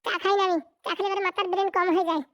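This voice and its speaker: A man's voice: very high-pitched, flat delivery, rapid-fire, fairly bright tone, dry recording. A voice actor playing a boastful, irritable husband in a comedy cartoon, snapping at his wife. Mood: irritated. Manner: snappish, dismissive bickering. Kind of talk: sped-up cartoon voice acting.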